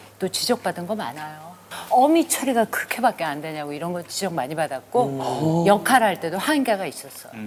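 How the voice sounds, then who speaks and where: With a Seoul accent, a woman talks at a fairly quick pace in a fairly low pitch, using very wide pitch swings and big swings in loudness over noticeable background noise. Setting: voice acting.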